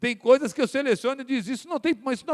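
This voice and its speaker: A man's extremely high-pitched voice with ordinary pitch variation, in a very clean, dry, close recording with a silent background and no echo. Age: 40s. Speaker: pastor. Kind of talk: sermon. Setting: church. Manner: informal.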